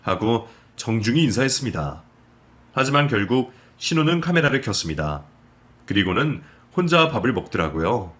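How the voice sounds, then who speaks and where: A man narrating a scripted story in a steady, measured way. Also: mid-range voice.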